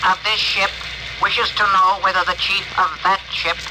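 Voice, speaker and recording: Stiff, formal alien envoy, high-pitched, played by a man; 1950s radio play, hissy broadcast. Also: level tone, normal speed, lightly acted. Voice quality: stiff, formal, literal phrasing. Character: formal alien ship translator, male. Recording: noisy old radio broadcast.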